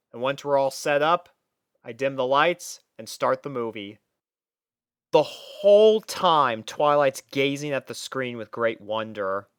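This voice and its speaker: A man narrating a first-person story from a script in an expressive storytelling manner. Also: mid-range voice, smooth, dry recording, studio quality.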